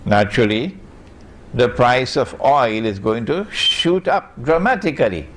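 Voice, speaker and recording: A man's voice: mid-range voice, expressive, unhurried, a little hiss or hum. A man from Trinidad and Tobago, giving a public lecture in an emphatic way and putting rhetorical questions to his audience.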